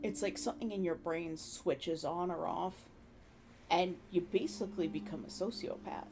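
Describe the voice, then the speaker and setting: Her voice is fairly low-pitched, with a dark, mellow tone and some vocal fry. The woman speaks at a moderate pace with lively intonation. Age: 40s. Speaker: live streamer. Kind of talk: casual live-stream chat.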